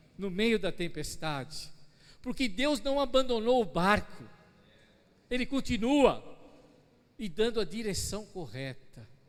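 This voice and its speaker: Audible room echo surrounds a man talking at a very slow pace. His pitch is high and his intonation lively. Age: 60s. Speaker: pastor. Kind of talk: sermon. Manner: animated.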